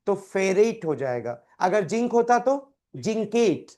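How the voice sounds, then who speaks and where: A man's voice: high voice, sing-song, slow pace, darkish tone. A man teaching a chemistry class, quizzing students by name and repeating key terms. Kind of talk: live classroom tutoring.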